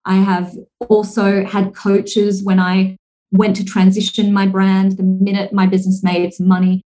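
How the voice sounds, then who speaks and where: A woman in her thirties from Singapore, talking at length as a guest in a casual podcast interview, fluent and energetic with many "like" and "you know" fillers. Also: mid-range voice, unhurried, poor audio. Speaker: podcast guest, speaker and author.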